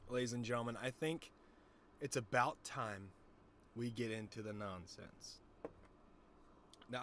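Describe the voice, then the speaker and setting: A man's voice: medium pitch, a bit bright, slight background noise. Rambling young man with a lisp. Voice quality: lisp and stutter. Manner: rambling, swearing, loose and jokey. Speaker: streamer. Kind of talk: casual stoner vlog chat.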